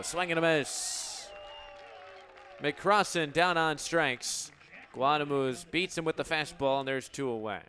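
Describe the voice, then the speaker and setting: A man's voice: medium pitch, a bit bright. A young American man in his twenties calling baseball play-by-play for radio in clipped, descriptive phrases. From United States. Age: 20s. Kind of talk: radio sports commentary.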